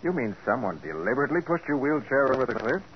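A calm, level-headed private detective, played by an actor in a 1940s radio drama. He speaks in a measured, reassuring way, and his pitch moves freely. The old broadcast sounds muffled. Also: close to an everyday voice.

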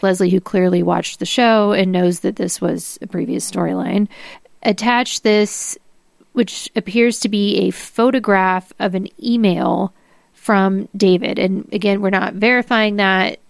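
A woman's voice: mid-range voice, fairly even intonation, measured pace, vocal fry, no room sound. Woman, podcast co-host, mid-range voice, reading documents and commenting, close dry recording.

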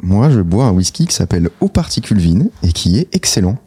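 A man co-hosting a podcast in casual chat, teasing with deadpan self-mockery and reading out notes. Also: deep voice, a little fast, breathy edge. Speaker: podcast co-host.

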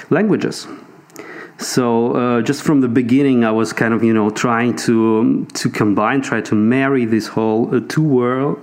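A man with a Russian accent, a guest on an interview podcast, speaking hesitantly with many fillers and restarts. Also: mid-range voice. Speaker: guest, tech company CEO. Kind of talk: casual interview talk.

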